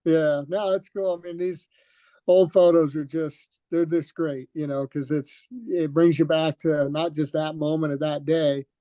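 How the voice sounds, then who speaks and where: A man's voice: on the high side, little pitch movement, a little slow, mellow, no room sound. An older man, a retired racer, telling stories from his career in a loose, rambling interview with many fillers and restarts. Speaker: retired motocross racer, guest. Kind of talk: relaxed reminiscing in an interview.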